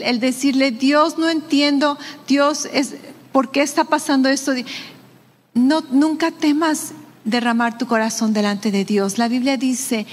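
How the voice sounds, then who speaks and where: A woman's voice: a little high, long reverb tail. A woman pastor preaching a sermon in a conversational way, full of rhetorical questions. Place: church hall.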